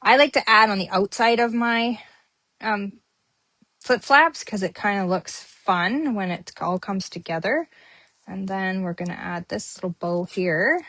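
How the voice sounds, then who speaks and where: A woman's voice: mid-range voice, animated, a little slow, fairly bright tone, no echo. Chatty woman crafting host, dry sound. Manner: chatty, many ums, talks while working. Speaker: papercrafting host. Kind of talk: casual crafting tutorial.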